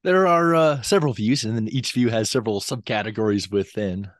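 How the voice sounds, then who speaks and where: A man's voice: on the low side, no room sound, studio quality. A young man with a lingering cough, a guest scholar explaining views step by step over a video call from a home study. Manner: measured, explains in steps with frequent ums. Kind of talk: explanatory interview talk. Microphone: video call with a desk mic.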